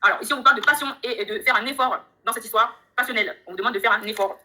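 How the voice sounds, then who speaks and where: A fast-talking woman reads tarot cards live from her home and talks straight to her viewers. Her voice is bright and a little high, and she keeps the tone chatty and upbeat. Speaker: tarot reader on a live stream. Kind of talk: live tarot reading chat.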